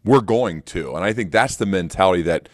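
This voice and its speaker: A man's voice: deep voice, expressive, a little fast, dry recording, clean studio sound. A man hosting a podcast, speaking conversationally and emphatically, repeating phrases to press his point. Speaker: podcast host. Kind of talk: conversational interviewing.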